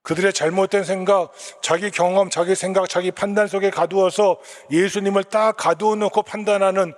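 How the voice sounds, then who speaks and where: A man's voice: high voice, fairly even intonation, brisk, big-room sound. A male pastor with a Gyeongsang accent preaching a sermon and quizzing the congregation with repeated questions. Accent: Gyeongsang Korean.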